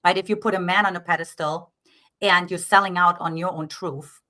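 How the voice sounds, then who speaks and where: A middle-aged dating coach from Eastern Germany, with a German accent, earnestly explains her views in an interview and regularly asks "right?" Her lowish voice is steady, brisk, pushed and bright.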